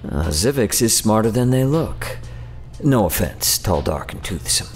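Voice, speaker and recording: Low-voiced, sardonic rogue, music behind. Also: male voice, sing-song, unhurried. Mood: wry. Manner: slangy, sardonic, casually profane. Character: irreverent, roguish male otherworldly emissary, whiskey-drinking schemer. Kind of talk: audio drama acting.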